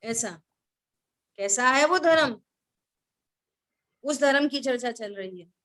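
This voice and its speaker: A woman's voice: fairly high pitch, animated, slow pace, fairly bright tone. A woman teaching a scripture class, who keeps questioning her listeners and repeating key words.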